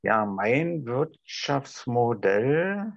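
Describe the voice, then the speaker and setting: A middle-aged man from a discussion gives an improvised address to an imagined TV audience, halting and picking his words with care. His gravelly, husky voice sits at medium pitch and is very animated, with a Berlin German accent restrained toward High German. Recorded dry in a small indoor room over a video call with the device at some distance, the audio sounds dull and lo-fi.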